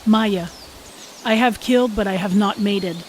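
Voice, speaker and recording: A man voicing a young lone she-wolf in an audio drama, submissive but proud, speaking in an earnest, measured way. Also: high-pitched, a little hiss or hum, pitched above the performer's own voice.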